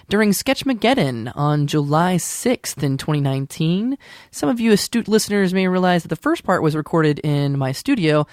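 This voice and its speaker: Female podcast host, low register, casual explanatory introductions, dry recording. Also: a little mellow, dry recording. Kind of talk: casual scripted show introduction.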